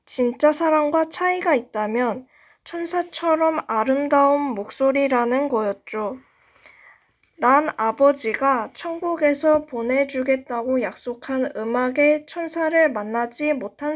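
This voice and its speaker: A woman's voice: high voice, measured pace. A woman reading a novel aloud as an amateur narrator, careful in her delivery and now and then stumbling. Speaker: amateur audiobook reader.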